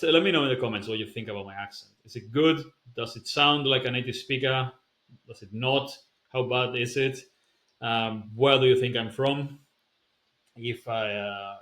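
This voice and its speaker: A man's voice: mid-range voice, echoey room. A young man from the Basque Country whose first language is Basque. He speaks English with a Basque accent that carries a slight German tinge, talking casually with fillers and restarts. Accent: Basque-influenced English with a slight German tinge. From Basque Country, Spain. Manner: chatty and relaxed, with frequent fillers and restarts. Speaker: language-learning YouTuber. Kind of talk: casual talk to camera.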